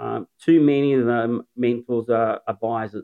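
Fairly even intonation from a medium-pitched man with a New Zealand accent. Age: 60s. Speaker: serial entrepreneur. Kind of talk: interview.

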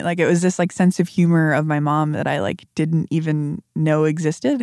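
With a normal speaking voice, a woman talks at a fairly low pitch with ordinary pitch variation in a very clean recording against a silent background. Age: 20s. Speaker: radio producer. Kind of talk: casual chat.

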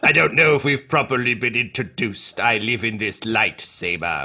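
A man doing a put-on character voice at a medium pitch and a moderate pace. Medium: actual play. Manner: chatty, offhand, goading.

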